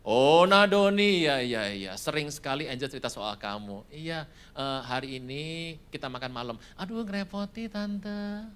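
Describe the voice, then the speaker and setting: A man's voice: on the high side, expressive, normal speed, a bit bright, smooth. A preacher voicing a welcoming middle-aged mother inviting her daughter's friend to dinner.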